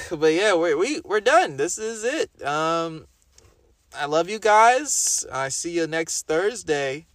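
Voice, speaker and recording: A young man with a slightly raspy voice, chatting casually and rambling through a solo podcast in slangy talk, repeating phrases for emphasis. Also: on the high side, sing-song, slow, dry recording. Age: young adult. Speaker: podcast host.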